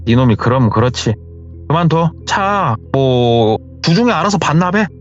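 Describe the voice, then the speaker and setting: A foul-mouthed, short-tempered boss barks out his scolding, as a male storyteller puts him on. His voice leaps up and down in pitch, and the sound is a bit muffled. Soft music plays faintly underneath. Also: lively intonation, normal speed, close to an everyday voice. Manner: barking, scolding.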